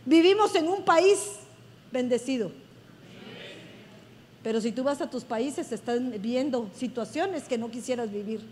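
A woman's voice: high voice, expressive, measured pace, long pauses, a little mellow. A woman pastor giving an effusive, emphatic sermon. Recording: long hall reverb.

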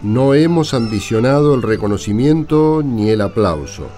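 An actor with an Argentine accent playing an apostle's brisk, obliging scribe in a radio drama. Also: male voice, mid-range voice, expressive, dark tone, faint music behind, lightly acted. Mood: helpful, teasing. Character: Paul's helpful male scribe companion, brisk and obliging.

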